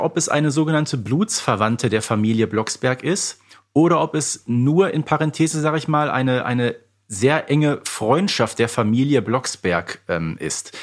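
Chatty man on a quiz podcast. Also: medium pitch. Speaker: podcast co-host and quiz contestant. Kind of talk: casual quiz chat.

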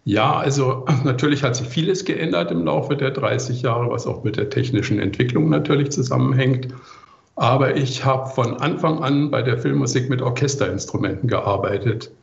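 A man in his sixties giving measured, articulate, reflective answers as an interview guest. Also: medium pitch, vocal fry, echoey room, muffled recording. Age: 60s.

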